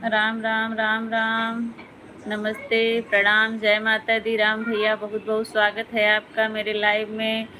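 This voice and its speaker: A woman's voice: fairly high pitch, monotone, measured pace, sharp tone. A woman hosting a casual livestream from Jammu, greeting viewers one by one in a friendly, chatty way. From Jammu region, India. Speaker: livestream host. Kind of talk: casual livestream chat reading viewer comments. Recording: noisy home livestream audio.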